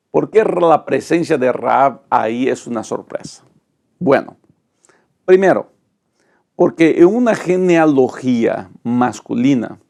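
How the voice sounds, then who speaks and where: A man's voice: mid-range voice, creaky, mellow. A middle-aged male pastor, teaching a Bible study lesson with dramatic, emphatic delivery and rhetorical lists.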